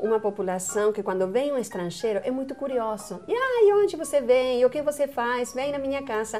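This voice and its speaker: Over noticeable background noise, a woman with a Uruguayan accent speaks fairly quickly at a high pitch with lively intonation. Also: hardly any pauses. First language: Spanish (speaking Portuguese). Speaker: consul. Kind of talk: interview. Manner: halting.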